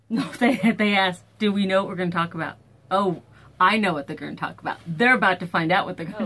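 Speaking at a very fast pace, a woman shows ordinary pitch variation. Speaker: RV traveler vlogger. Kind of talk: casual vlog chat.

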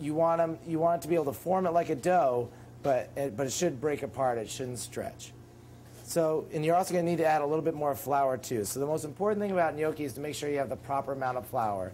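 A man talking at a very fast pace with ordinary pitch variation over light background noise. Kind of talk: tutorial. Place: kitchen. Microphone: lapel.

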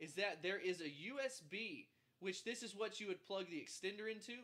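A man's raised, projected voice at a moderate pace, bright and sharp in tone, with very wide pitch swings. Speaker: product reviewer. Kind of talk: product review tutorial. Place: home room.

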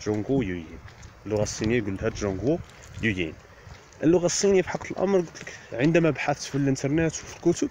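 A man's fairly quick speech with an Algerian accent, very wide pitch swings, a dry sound with no echo, and light background noise. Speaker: language teacher. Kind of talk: casual explanatory talk to camera. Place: open country. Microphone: phone near.

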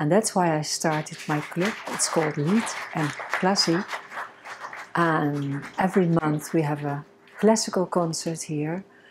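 A woman with a fairly low pitch speaks at a fairly slow pace with ordinary pitch variation and long, frequent pauses over noticeable background noise. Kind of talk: interview answer. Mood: warm, enthusiastic. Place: bar.

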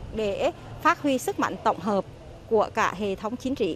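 A woman speaks at a fairly slow pace with lively intonation. The sound is dry with no echo, over light background noise. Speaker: police officer. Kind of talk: interview. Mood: formal, official tone. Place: garden.

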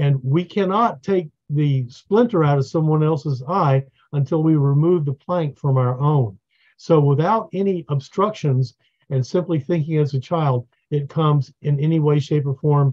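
Somewhat breathy and fairly high, a man's voice holds very even loudness at a moderate pace. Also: ordinary pitch variation. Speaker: guest. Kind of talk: casual chat. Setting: video call.

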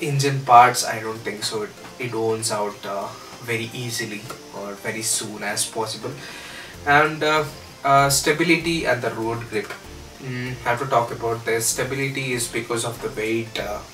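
A man at a moderate pace with ordinary pitch variation, audible room echo, and clear music in the background. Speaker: motorbike reviewer. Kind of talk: product review talk. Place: home room.

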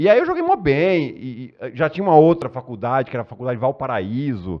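A man speaks against a quiet background. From Piracicaba, São Paulo state, Brazil; São Paulo state, Brazil. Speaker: podcast host, former basketball player; podcast host. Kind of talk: casual chat. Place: studio.

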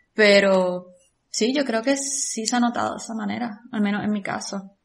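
A woman speaks at a moderate pace with fairly high pitch. She has a plain, everyday voice. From Puerto Rico. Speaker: webcomic creator. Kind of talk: roundtable discussion.

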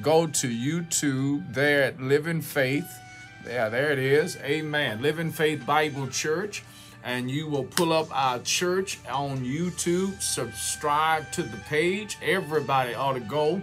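Faint music plays in the background as a man talks at a very slow pace with ordinary pitch variation. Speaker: pastor. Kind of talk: live-stream welcome and announcements. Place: office. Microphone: webcam.

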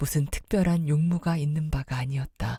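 The delivery is dramatic and theatrical, with a dark, mellow tone and ordinary pitch variation, on a very clean recording with a silent background. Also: woman. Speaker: audiobook narrator. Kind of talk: dramatic narration, reading a story aloud with character voices. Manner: expressive, shifts tone between characters and narration; dramatic, theatrical pacing in emotional scenes.

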